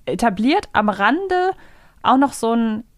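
A woman's voice: on the high side, very animated, takes it slowly, no room sound, clean studio sound. A woman co-hosting a podcast in a casual discussion style. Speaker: podcast co-host.

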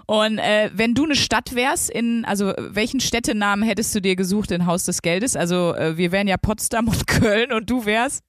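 A woman's voice: mid-range voice, moderate pace, hardly any pauses, no room sound, studio quality. A woman co-hosting a casual podcast, chatty and searching for words with fillers. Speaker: podcast co-host. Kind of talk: casual chat.

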